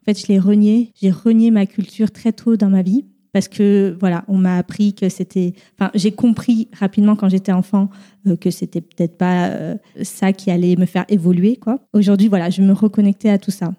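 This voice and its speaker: A young woman from France and a mother, talking casually on a podcast, halting with many fillers. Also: mid-range voice, steady tone, dark tone. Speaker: podcast guest. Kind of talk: casual round-table chat.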